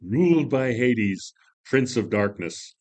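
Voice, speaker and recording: Expressive man narrating with very varied pitch. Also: slow. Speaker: narrator in play reading. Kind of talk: dramatic storytelling narration.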